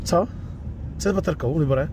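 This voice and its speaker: A man's voice: on the high side, background noise. A man hosting a casual car vlog, talking informally through a walkaround and test drive at a used car lot. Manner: chatty, informal, tags sentences with "jo". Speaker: host of a car review channel. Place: outdoors at a used car lot, then inside a car.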